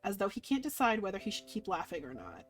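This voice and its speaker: Girl streamer reading a visual novel out loud, playful n dramatic, normal pitch, bit of music behind. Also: fast. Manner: expressive, playful. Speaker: game streamer. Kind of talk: dramatic read-aloud of visual novel with casual commentary. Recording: music playing underneath.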